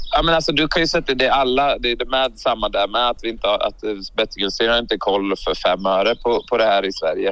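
With a slight Östergötland accent, a man talks at a very fast pace with hardly any pauses and very even loudness. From Norrköping, Sweden. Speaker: sports bettor. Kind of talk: interview.

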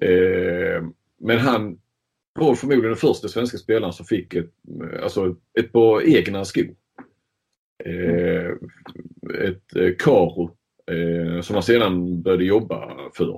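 A man talks at a fairly slow pace with long, frequent pauses. His voice sits fairly low, with ordinary pitch variation. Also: big swings in loudness. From Skåne, Sweden (Kristianstad). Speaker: handball podcast co-host. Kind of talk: casual chat. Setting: home studio.

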